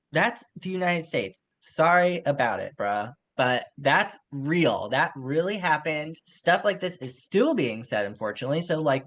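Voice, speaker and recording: A man's voice: a little high, fairly bright tone. Casual, opinionated man talking books. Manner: colloquial, slangy, opinionated. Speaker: podcast co-host. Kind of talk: casual literary discussion.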